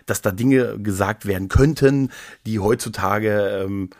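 A man with a fairly low voice talks casually as a podcast co-host. He is effusive and enthusiastic, often restarting and repeating words. The sound is dry, with hardly any room. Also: unhurried, a little mellow, no room sound. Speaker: podcast co-host discussing audio dramas.

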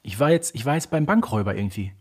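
Slightly husky, animated man. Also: mid-range voice, very fast. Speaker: podcast co-host. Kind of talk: casual quiz chat about audio dramas.

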